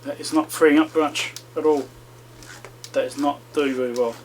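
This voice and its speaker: A man's voice: a little high, steady tone, normal speed, a little hiss or hum, poor audio. A man hosting a repair video, casually talking himself through the work with chatty asides to viewers. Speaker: electronics repair channel host. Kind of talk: casual running commentary while repairing.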